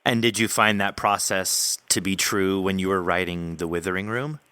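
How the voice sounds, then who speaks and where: A man's voice: low voice, moderate pace, bright, forceful tone, smooth, no room sound. A man hosting a podcast interview, chatting casually and enthusiastically with his guest.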